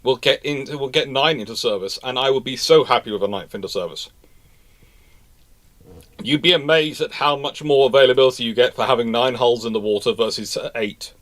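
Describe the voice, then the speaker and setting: A man's voice: medium pitch, a little fast, fairly bright tone. A man hosting a casual live question-and-answer show, talking emphatically and rephrasing his points for stress. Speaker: host of a naval history question show.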